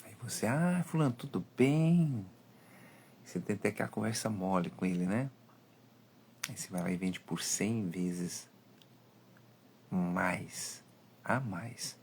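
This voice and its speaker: Brasileiro enfático de voz grave. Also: male voice, sits low, steady tone, a little slow, creaky, long pauses, a little hiss or hum. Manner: emphatic, preachy, acts out dialogues. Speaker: live-stream host. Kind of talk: live monologue, advice talk.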